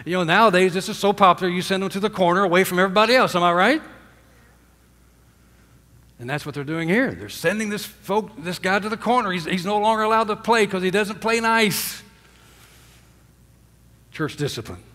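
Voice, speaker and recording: An older man preaching a sermon from a church stage, emphatic, calling out for amens and dropping to hushed endings. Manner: emphatic, swinging from loud highs to low hushed endings; asks the congregation for amens. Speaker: pastor. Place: large church sanctuary with stage and drum kit. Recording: long hall reverb.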